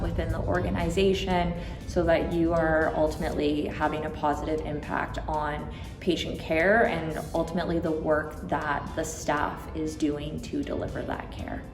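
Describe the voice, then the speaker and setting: A woman, answering interview questions in a reflective way, often using um and like. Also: low-pitched. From Toronto, Canada. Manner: reflective, with frequent ums and likes. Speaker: interview guest. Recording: roomy hall reverb, faint music.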